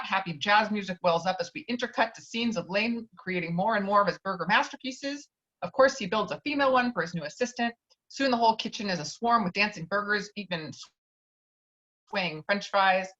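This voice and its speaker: Through dull, lo-fi online call audio, a woman with a medium-pitched, fairly bright voice reads screenplay stage directions at an informal table read. Every so often she stumbles and corrects herself.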